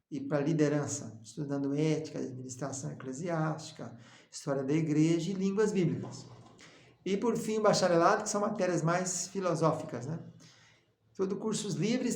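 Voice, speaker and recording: A Brazilian man teaching a seminary lesson on Greek. He explains slowly, often adds "né?", and chants the letter names. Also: on the high side, a little mellow, roomy sound. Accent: Brazilian Portuguese.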